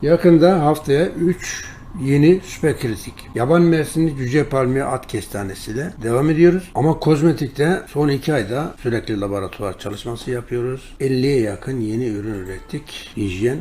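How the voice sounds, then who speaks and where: Older man with a mellow voice, emphatic. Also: medium pitch, normal speed, few pauses, slight background noise. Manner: emphatic, rattles off lists, tells anecdotes. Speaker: herbal product maker presenting his products. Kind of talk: promotional monologue.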